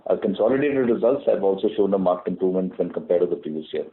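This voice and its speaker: A man giving a formal, prepared business report as an executive on a conference call, speaking haltingly with frequent uhs. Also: low voice, expressive. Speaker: company executive presenting quarterly results. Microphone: telephone conference call. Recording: muffled narrow-band phone line.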